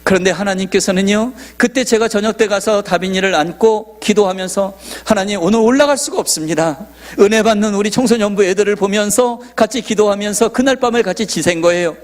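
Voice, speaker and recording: A man's voice: sits high, fairly even intonation, a little fast, few pauses. A man in his forties, a pastor telling a personal testimony in a sermon and acting out dialogue. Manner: storytelling, acting out quoted dialogue.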